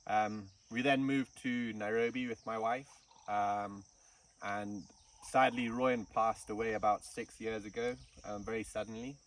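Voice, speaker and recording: Male guest from Kenya, relaxed storyteller, interview recorded at a distance outdoors. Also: fairly low pitch, unhurried. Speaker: snake farm curator. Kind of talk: casual interview. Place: outdoors in the bush. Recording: distant mic with faint insect noise.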